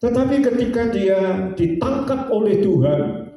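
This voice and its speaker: Slow, echoey elderly preacher. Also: male voice, sits high, lively intonation, vocal fry, warm tone. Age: 70s. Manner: drawn-out, sing-song preaching with homely jokes. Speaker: pastor. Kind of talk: sermon. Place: church sanctuary. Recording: very echoey church hall, distant mic.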